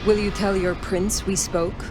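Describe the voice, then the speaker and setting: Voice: medium pitch, level tone, measured pace, lightly acted. A performer playing a proud, formal ancient vampire elder in a video game, with an archaic, imperious way of talking. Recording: loud music behind the voice.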